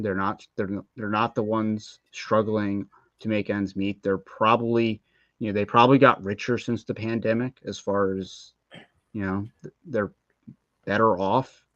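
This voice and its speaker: Low-voiced man, dull lo-fi remote mic. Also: fairly bright tone, no room sound. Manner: thoughtful, hedging, halting. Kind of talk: casual livestream discussion.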